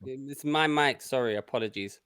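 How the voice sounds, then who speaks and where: A man's voice: medium pitch, moderate pace, a bit bright, clean tone, no echo. A man in casual podcast chat, chipping in with questions and remarks as one of the panel.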